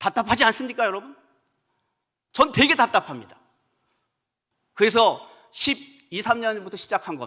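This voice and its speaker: On a very clean recording with a silent background, a man speaks in a raised, projected voice at an extremely high pitch, with an animated, bright, sharp tone, ordinary pitch variation, a moderate pace, and long, frequent pauses. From Seoul. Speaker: pastor. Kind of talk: sermon. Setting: church.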